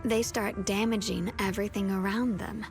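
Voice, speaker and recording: An actress voicing a young swordswoman in an anime-style video game, with a soft, measured delivery. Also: medium pitch, fairly even intonation, soft background music, natural voice. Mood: sly, mysterious.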